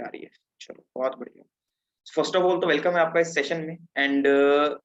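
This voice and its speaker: A man's voice: on the high side, lo-fi sound. A teenage man from Punjab giving an interactive online lesson over a video call, chatty and often checking in with his listeners. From Punjab, India. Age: teens. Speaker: webinar presenter.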